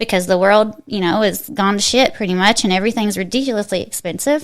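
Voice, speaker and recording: With a Southern Appalachian accent, a woman speaks fairly quickly at a fairly high pitch with ordinary pitch variation, on a very clean recording with a silent background. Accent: Southern Appalachian twang. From Eastern Kentucky. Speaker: actor and life coach. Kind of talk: interview answer.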